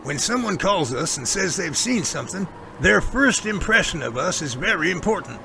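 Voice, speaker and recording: A man playing an earnest, self-assured Bigfoot investigator in an audio drama, explaining things in measured, speech-like lines. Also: sits high, sing-song, creaky, bright, forceful tone, slight background noise, full character voice. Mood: earnest, reassuring. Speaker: actor in a Sasquatch audio drama. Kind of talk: amateur audio drama dialogue.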